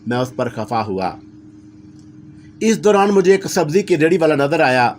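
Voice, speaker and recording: A man's voice: a little high, very animated, normal speed, darkish tone, slight background noise. A man telling a first-person horror story in a dramatic, scripted narration style.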